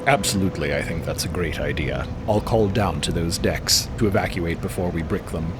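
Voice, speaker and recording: A man acting as a calm, methodical ship's officer in a fiction podcast, speaking in a measured, considered way. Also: low-pitched, music in the background, pitched below the performer's own voice, natural voice. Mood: calm, decisive.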